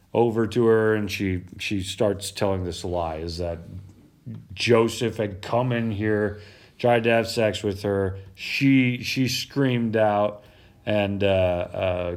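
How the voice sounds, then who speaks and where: A man's voice: on the low side, darkish tone. A man hosting a casual podcast about the Bible. He talks in a chatty way, laughs easily and stumbles over names while reading. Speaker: podcast host.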